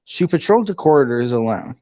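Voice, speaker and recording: A man's voice: mid-range voice, sing-song, fast, darkish tone, no room sound, highs cut off. A man reading a book aloud for a live read-along, chatty, with jokey asides.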